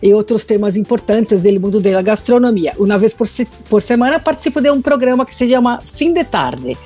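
A woman's voice: mid-range voice, lively intonation, fairly quick, dark tone, slightly rough, soft background music. A woman from Brazil with a Brazilian Portuguese accent, a native Portuguese speaker, answering interview questions as a food journalist and searching for words in a second language. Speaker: food journalist, radio guest.

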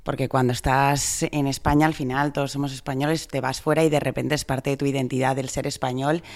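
Male guest, mid pitch, analytical conversational tone. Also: little pitch movement, a little fast. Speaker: interview guest.

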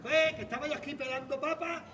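Cádiz guy doing a whiny high little killer, sobbing and bragging, far off on a noisy stage. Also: steady tone. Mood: boastful. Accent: Andalusian, Cádiz. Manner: whiny, theatrical, drawn-out lamenting. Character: weepy, cheerfully murderous grown man called Pena. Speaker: carnival quartet performer. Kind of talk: live stage comedy sketch. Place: large theater stage. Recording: live theater stage from afar, noisy.

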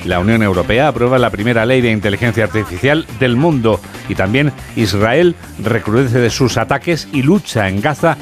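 A man's voice: mid-range voice, moderate pace, soft background music. A male radio news host, reading the press review in easy, bantering chat. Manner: relaxed, bantering.

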